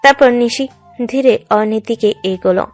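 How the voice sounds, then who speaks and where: A woman's voice: a little high, moderate pace. A woman reading dramatic scripted narration for a love story. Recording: music under the voice.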